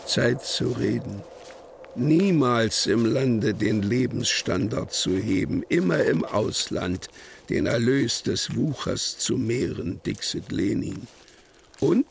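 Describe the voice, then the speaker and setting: An actor playing an imprisoned poet in a radio play, reciting solemnly with weighty pauses and a creaky voice. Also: male voice, mid-range voice, slight background noise, heavily acted. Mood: grave. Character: imprisoned male poet, brooding, defiant, incantatory. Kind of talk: German literary radio play, dramatic poetic recitation.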